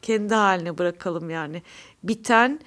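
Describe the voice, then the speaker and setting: A woman's voice: on the low side, a little slow, a bit bright. A woman hosting a music program, chatting casually between songs and laughing often. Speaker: radio show host. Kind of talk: casual music show chat.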